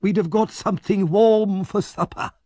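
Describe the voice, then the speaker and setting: A man's voice: sits high, fairly even intonation, normal speed, mellow, no echo, clean studio sound, voice pushed up. A man voicing a sly old crook who speaks with oily, sarcastic politeness. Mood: mocking.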